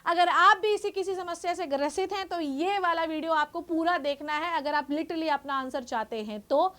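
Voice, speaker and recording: A woman's voice: extremely high pitch, moderate pace, a bit bright. A woman, a biology exam educator, guiding students directly and reassuringly while mixing in English terms. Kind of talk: exam guidance talk to students.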